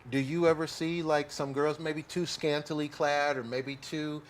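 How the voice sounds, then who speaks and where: A man's voice: a little high, steady tone, unhurried. A man hosting a talk radio interview, asking long, rambling questions in a loose, chatty way. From Kansas City. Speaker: radio show host. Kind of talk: casual interview chat.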